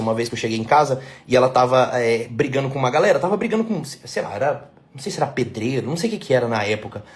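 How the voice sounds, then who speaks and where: A middle-aged Brazilian man, a couples therapist, giving a blunt, emphatic lesson to women, repeating his key points and checking that they follow. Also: medium pitch. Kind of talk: talking-head lesson.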